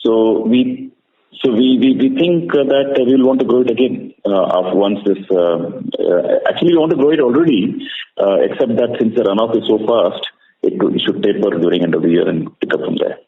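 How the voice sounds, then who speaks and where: A man with an Indian accent answering questions as a bank executive on a call, halting and repeating phrases to stress them. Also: on the low side, lively intonation. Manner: repetitive, halting, emphatic restating of phrases. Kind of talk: spontaneous answers to analyst questions. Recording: echoey narrowband phone line with faint noise.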